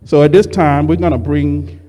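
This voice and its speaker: A man hosting a meeting and introducing speakers, speaking haltingly with many ums and restarts. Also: on the high side, steady tone, dark tone. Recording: reverberant meeting hall.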